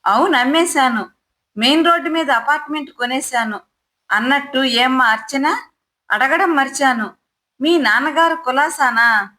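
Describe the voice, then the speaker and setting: A woman voicing a brisk, blunt old man in his seventies who talks quickly. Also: high voice, bright, forceful tone. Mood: hearty.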